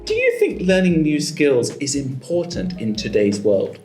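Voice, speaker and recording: Man, examiner, encouraging and full of praise, lively intonation, roomy sound. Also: on the high side, a little slow. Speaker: IELTS examiner and teacher. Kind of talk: mock speaking test. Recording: echoey room, faint music.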